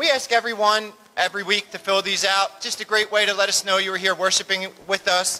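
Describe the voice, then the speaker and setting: A man speaks at a fairly quick pace in a raised, projected voice. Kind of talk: church announcements. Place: church. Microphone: studio mic.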